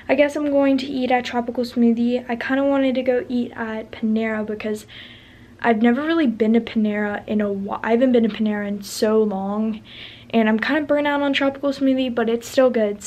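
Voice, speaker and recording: A woman's voice: fairly high pitch, a little mellow. Young woman vlogging into her camera, chatty and upbeat, says like and um a lot. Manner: chatty and upbeat, lots of fillers. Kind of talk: casual vlog talk.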